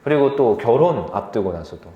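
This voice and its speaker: A young man preaching a sermon to a youth group, telling stories from his life in a lively way, laughing easily and asking the listeners questions. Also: medium pitch, echoey room, lo-fi sound. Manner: lively storytelling, quick to laugh; asks the listeners questions directly.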